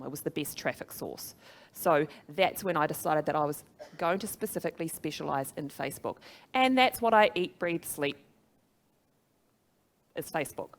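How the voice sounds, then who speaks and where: A middle-aged woman with a New Zealand accent speaks in a fairly low register. She presents like a business trainer, chatty yet emphatic. She often turns to her listeners with questions. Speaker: social media trainer and speaker. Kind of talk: motivational business presentation to a live audience.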